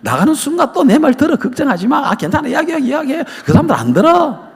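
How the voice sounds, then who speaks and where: A taunting, sly devil with a high, strained, wheedling voice, put on by a preaching man. He pleads, mocks and nags in quick bursts, his voice swooping up and down. The sound rings with the long echo of a big hall. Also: huge pitch swings, vocal fry, full character voice. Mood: mocking. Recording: long reverb of a large hall.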